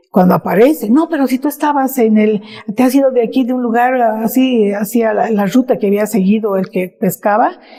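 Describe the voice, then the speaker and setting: At a fairly quick pace, a dark, mellow tone carries ordinary pitch variation. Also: woman, fairly high pitch for a woman. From Bolivia, Cochabamba. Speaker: retired social worker. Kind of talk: interview. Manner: halting.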